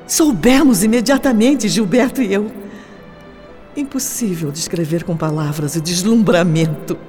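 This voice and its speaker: A woman's voice: medium pitch, measured pace, dark tone, close to an everyday voice. An actress playing a wistful young woman in love. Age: young adult. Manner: dreamy, wistful recollection. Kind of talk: radio drama acting. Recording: reverberant with background music.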